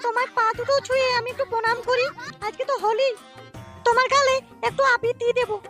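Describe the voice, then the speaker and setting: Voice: very high-pitched, flat delivery, fast talker, sharp tone, soft background music. An actor voicing a fussy, affectionate old wife in a comedy cartoon. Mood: coaxing, hurt. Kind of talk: comic cartoon dialogue.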